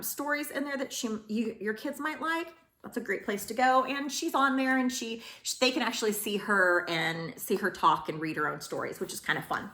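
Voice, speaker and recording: A woman speaking as a school librarian who reads storybooks aloud to children in an expressive way. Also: a little high, echoey room. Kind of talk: storybook read-aloud with informal introduction.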